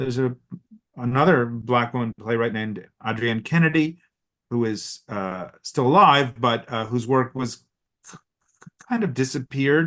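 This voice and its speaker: With an American accent, a man speaks at a moderate pace and medium pitch, using ordinary pitch variation. His loudness swings a lot. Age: 60s. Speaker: theater critic. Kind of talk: interview Q&A. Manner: halting, many fillers.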